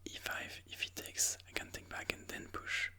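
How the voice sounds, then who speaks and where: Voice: normal speed, sharp tone. A person whispering breathily in an ASMR style, musing aloud move by move as they comment on their own chess game.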